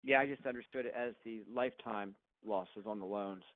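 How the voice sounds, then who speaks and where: A man's voice: on the low side, moderate pace, no echo. A man questioning executives as an analyst on an earnings call, blunt and pressing in a conversational way. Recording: dull, dry conference phone audio.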